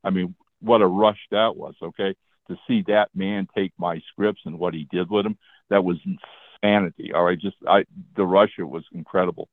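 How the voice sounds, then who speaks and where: A man's voice: low-pitched, steady tone, normal speed, no room sound. Chatty seventy-something man on a tinny phone line. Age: 70s. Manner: chatty, often checks in with "all right?" and "okay?". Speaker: guest, comic book writer. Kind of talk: casual interview storytelling.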